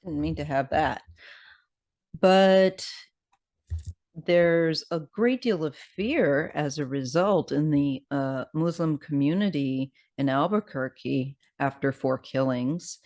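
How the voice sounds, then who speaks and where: Scratchy voice tarot host, talks slow and halting, casual, kinda feeling their way along. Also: mid-range voice, darkish tone. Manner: hesitant, halting delivery. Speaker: tarot card reader host. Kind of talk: casual unscripted talk, partly reading news aloud.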